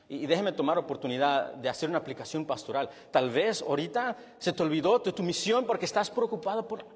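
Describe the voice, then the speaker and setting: Man, pastor, sermon, high voice, husky, long hall reverb. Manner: animated preaching, rising and dropping to quiet.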